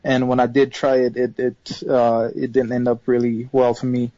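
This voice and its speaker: A man from Haiti, whose first language is not English, calling into a radio show and telling a personal story with many pauses and fillers. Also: mid-range voice, completely flat delivery, mellow, dry recording, muffled recording. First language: not English; third language. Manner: hesitant, many fillers and restarts. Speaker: caller.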